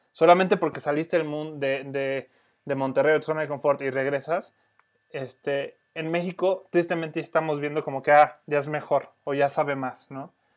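A man with a fairly high-pitched voice talks with monotone, flat intonation. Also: moderate pace. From Mexico. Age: 20s. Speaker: industrial designer. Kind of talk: casual chat.

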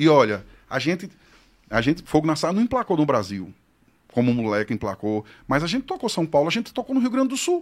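Very fast speech from a man with a fairly high pitch and very wide pitch swings is broken by long, frequent pauses, in a very clean recording with a silent background. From Aracaju, Sergipe, Brazil. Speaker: singer in a forró duo. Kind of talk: casual podcast interview.

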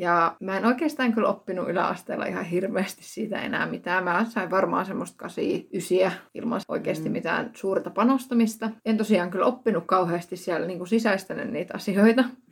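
A somewhat breathy woman's voice at medium pitch and a moderate pace, with ordinary pitch variation. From Finland, Jyväskylä. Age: 20s. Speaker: podcast host, translation entrepreneur. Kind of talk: casual chat.

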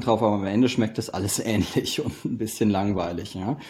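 A man speaking at a moderate pace. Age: 40s. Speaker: physicist and startup founder. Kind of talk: interview. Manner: halting, many fillers.

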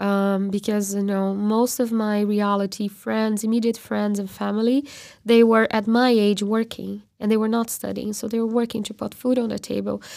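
A woman's fairly high voice in a Brazilian accent, dark and mellow in tone, monotone and flat, at a moderate pace with hardly any pauses, on a very clean recording with a silent background. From Rio de Janeiro, Brazil. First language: Portuguese. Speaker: product manager, mentor. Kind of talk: interview, conversational. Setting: studio. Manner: conversational, thoughtful, some hesitations.

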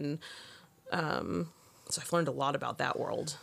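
The speaker has an American accent and talks at a very fast pace. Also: woman. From Oklahoma. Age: 30s. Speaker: mental health worker. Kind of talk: casual chat.

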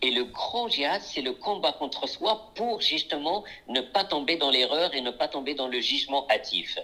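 A man speaks at a fairly high pitch with a bright, sharp tone. His pace is fairly slow and his intonation lively. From Morocco, Fès. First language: Moroccan Arabic (speaking French). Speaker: poet and translator. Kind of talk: interview. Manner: halting, many repeated words.

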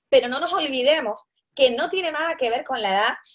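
A woman with a Canarian accent speaks in a high voice. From Canary Islands. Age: 40s. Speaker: financial education mentor. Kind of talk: interview.

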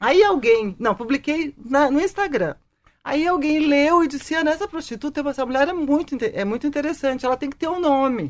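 Her voice is high-pitched with lively intonation. The woman keeps a moderate pace. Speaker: author and fashion journalist. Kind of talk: radio interview. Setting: studio.

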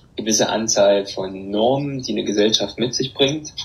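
A man keeps his intonation fairly even at a moderate pace while noticeable background noise persists. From East Germany, Eichsfeld (Thuringia). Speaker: bikepacking adventurer. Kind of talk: casual interview. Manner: hesitant, many filler sounds.

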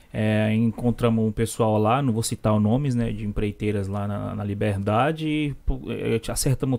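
A man in a medium pitch, a plain, everyday voice. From Brazil. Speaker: guest co-host. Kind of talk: casual chat. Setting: live video stream.

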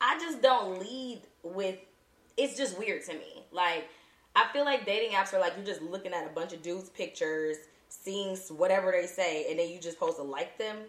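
Using a plain, everyday voice, a woman with an American accent talks with lively intonation and big swings in loudness. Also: medium pitch for a woman, moderate pace. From Detroit. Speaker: actress. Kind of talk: casual chat.

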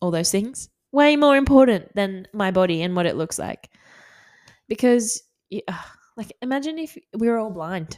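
A woman with a fairly high pitch and lively intonation speaks at a moderate pace, with long, frequent pauses. The sound is dry and close, with no echo. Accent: Australian. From Australia, Gold Coast. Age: 20s. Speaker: podcast host. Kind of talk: casual solo podcast monologue. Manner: hesitant, many fillers and laughs.

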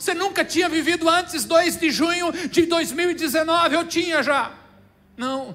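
A man with an extremely high pitch and a bright, sharp tone speaks in a raised, projected voice at a very slow pace with fairly even intonation. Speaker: pastor. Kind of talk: sermon.

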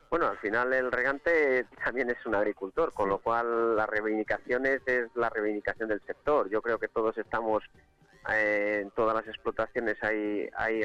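A man's bright, sharp voice at medium pitch, with fairly even intonation and a moderate pace, in a dry, close sound with no echo. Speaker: farmer. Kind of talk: live phone interview. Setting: outdoors at a tractor protest. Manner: halting.

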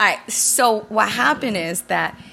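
A woman with a Spanish accent speaks at a fairly high pitch and a moderate pace. Her intonation is lively, with music in the background. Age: 30s. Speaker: podcast co-host. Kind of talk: casual chat. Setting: home recording, drinking wine.

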